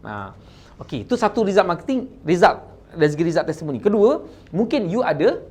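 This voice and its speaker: In a brisk, high-sitting voice, a man with a Malaysian accent delivers sales training to insurance agents. His Malay is sprinkled with English terms, his stresses are lively, and "kan?" comes up often as he checks in.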